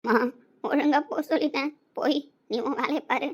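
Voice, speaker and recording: A woman's voice: sits high, steady tone, a little fast, dull audio, natural voice. A woman as a curt defiant young daughter. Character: stubborn, cold-hearted young daughter.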